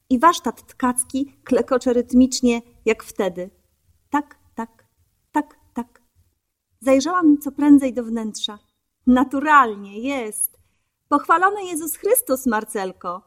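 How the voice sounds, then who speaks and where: Gentle higher-voiced woman narrator. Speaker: audiobook narrator. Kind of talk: scripted first-person narration.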